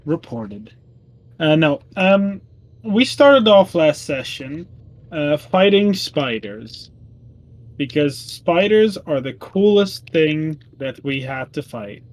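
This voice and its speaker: Guy stumbling through a game recap, kinda high voice, lots of ums and restarts. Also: big pitch swings, low-quality recording. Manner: halting, full of ums and self-corrections. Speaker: player giving the session recap. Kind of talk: casual chat recapping a tabletop game.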